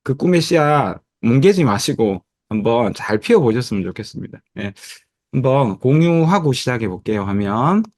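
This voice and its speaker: Middle-aged male presenter, animated storyteller with a dry close sound, filler-heavy pitch to an online audience. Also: moderate pace, no room sound. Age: 50s. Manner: lively storytelling with many fillers, acting out past dialogue. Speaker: network marketing presenter. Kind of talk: motivational presentation over a video call.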